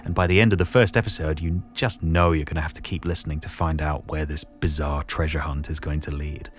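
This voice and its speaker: Low-pitched British man hosting a podcast. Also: steady tone, fairly quick, soft background music. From Britain. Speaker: podcast host introducing another show. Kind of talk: podcast introduction, conversational recommendation.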